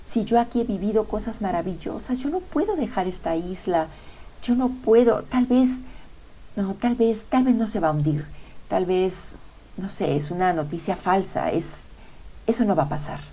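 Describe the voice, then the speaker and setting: A woman's voice: mid-range voice, expressive, moderate pace, dark tone, voice pushed up, lightly acted. A woman voicing Love as a desperate male figure in a spoken fable, pleading in a raised, frantic voice. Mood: disbelieving.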